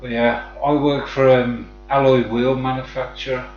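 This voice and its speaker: A man's voice: medium pitch, little pitch movement, moderate pace, darkish tone, a little hiss or hum. A man from the West Midlands with a Black Country accent, chatting casually and matily to viewers on a live stream. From West Midlands, England. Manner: friendly, matey address to viewers. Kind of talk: casual chat. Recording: dull sound, echoey room, faint music.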